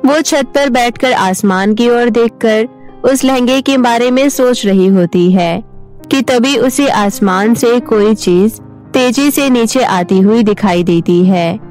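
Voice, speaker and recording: A woman narrating an animated children's story in a calm storytelling way. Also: a little high, slow, faint music behind.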